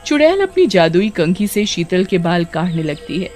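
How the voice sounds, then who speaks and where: एक औरत बच्चों के लिए एक डरावनी कहानी भावपूर्ण अंदाज़ में पढ़कर सुना रही है।. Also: female voice, lowish voice, moderate pace, soft background music. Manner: expressive storytelling. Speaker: storyteller. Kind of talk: scripted children's story narration.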